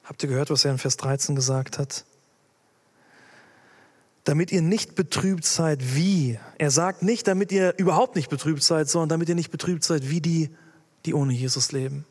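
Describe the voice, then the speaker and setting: Guy preaching a sermon, kinda high voice, big hall echo trailing after him. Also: brisk. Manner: emphatic, puts direct questions to listeners.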